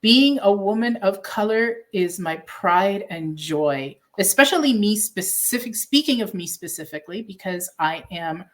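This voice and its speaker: Woman guest from Canada, middle-pitched, earnest and measured, speaking with pride. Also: expressive. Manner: earnest, proud, measured with pauses. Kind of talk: heartfelt interview answer.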